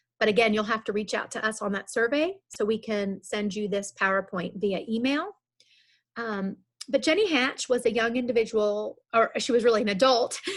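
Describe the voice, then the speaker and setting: A woman with an unremarkable speaking voice and a fairly high pitch talks at a moderate pace, varying her pitch in an ordinary way. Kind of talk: webinar presentation.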